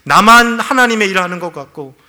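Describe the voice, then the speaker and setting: A man's voice: sits high, lively intonation, fast, pushed and bright. A man preaching a sermon in an earnest way, speaking straight to the congregation and acting out quoted prayers. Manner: earnest preaching, addresses listeners directly, acts out quoted prayers. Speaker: pastor.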